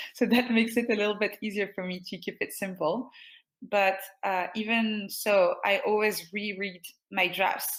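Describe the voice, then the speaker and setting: Fairly slowly and with fairly even intonation, a woman speaks. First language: not English. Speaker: entrepreneur and neuroscience student. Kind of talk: interview. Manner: hesitant, with fillers.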